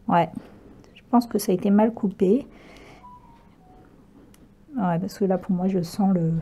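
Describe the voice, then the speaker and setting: A woman's voice: on the low side, warm tone. A woman chatting casually through a craft haul, hesitant and full of fillers, often laughing at herself. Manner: chatty, hesitant, many fillers and self-corrections, laughs easily. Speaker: craft vlogger. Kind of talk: casual unboxing chat.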